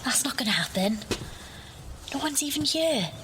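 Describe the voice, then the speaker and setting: A woman's voice: high-pitched, sing-song, normal speed, noisy background. An actress playing a jittery, sarcastic woman sneaking about as a reluctant intruder in an audio drama. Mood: jittery, hushed.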